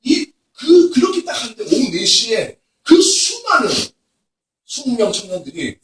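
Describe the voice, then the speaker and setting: 남자 목사가 학생들에게 생생한 이야기를 섞어 가며 부흥회 설교를 하고, 중간중간 힘주어 외치듯 강조합니다. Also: male voice, very high voice, measured pace. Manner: animated storytelling with emphatic outbursts. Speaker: pastor. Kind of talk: revival sermon to students. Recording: echoey hall from far off.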